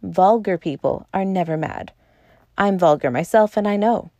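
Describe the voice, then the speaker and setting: A woman's voice: mid-range voice, moderate pace, a little mellow, dry recording, muffled recording, natural voice. A woman reading aloud and voicing a jovial, cheerful male doctor. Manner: jovial, beaming.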